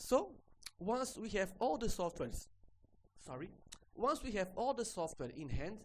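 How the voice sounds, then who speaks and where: At a fairly slow pace, a man with a Portuguese accent speaks in a high pitch with very wide pitch swings. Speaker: online course instructor. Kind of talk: tutorial. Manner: halting non-native English with frequent okay.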